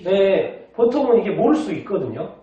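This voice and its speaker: A man's voice: sits high, big pitch swings, normal speed, dark tone. A male pastor preaching a sermon, asking the congregation questions and then answering them himself. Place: church sanctuary. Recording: distant, echoey, dull church recording.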